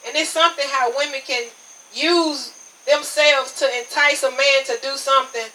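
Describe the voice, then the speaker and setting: A woman's voice: sits high, fairly even intonation, moderate pace, sharp tone. A woman preacher giving an emphatic revival sermon, punctuating her phrases with amens. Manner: emphatic, repeats "Amen" as punctuation. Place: outdoor tent service at night. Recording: distant mic, noisy, insect chirps behind. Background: crickets and insects, congregation answering amen.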